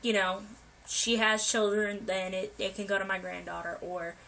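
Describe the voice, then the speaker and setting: A woman's voice: medium pitch, steady tone, normal speed, gravelly, fairly bright tone, rough recording. A young woman vlogger getting over a cold, chatting casually to her viewers with many ums and restarts. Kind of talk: casual life update to viewers.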